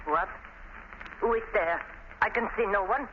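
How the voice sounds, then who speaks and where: An actress playing a frightened foreign widow and stage knife thrower in 1930s radio style, with accented, halting, dramatic broken English. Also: female voice, mid-range voice, close to an everyday voice. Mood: alarmed. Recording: noisy, dull 1930s radio recording.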